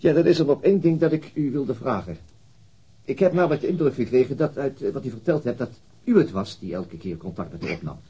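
An actor playing a police detective in a radio drama, asking probing questions in a formal, hesitant, husky manner. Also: male voice, medium pitch, expressive, fast, warm tone. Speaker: police interrogator. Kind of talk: radio drama interrogation acting.

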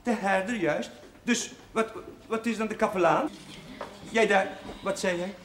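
A man's voice: high voice, a little slow, a bit bright. A man playing a young Catholic chaplain, questioning a class like a schoolmaster in a scripted television drama. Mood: patient, instructive. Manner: schoolmasterly, questioning, calling for silence. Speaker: actor in a TV drama series. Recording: noisy old TV soundtrack.

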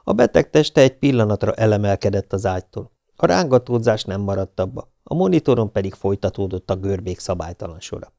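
A man reading an audiobook in an even, measured way. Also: lowish voice, gravelly, dry recording. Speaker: audiobook narrator. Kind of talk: audiobook narration.

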